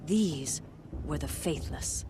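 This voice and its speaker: An old tribal woman storyteller in a fantasy game. She speaks slowly and solemnly in a lowish voice, dropping into hushed dramatic asides. Noticeable ambient noise sits behind her. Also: animated. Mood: solemn, foreboding. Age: older. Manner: slow, measured, dramatic delivery with hushed asides. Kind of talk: theatrical storytelling.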